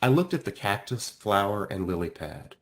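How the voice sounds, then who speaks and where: A man reading a children's storybook aloud as scripted narration, with expressive, emphatic phrasing. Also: lowish voice, moderate pace. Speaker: author reading their own children's book aloud.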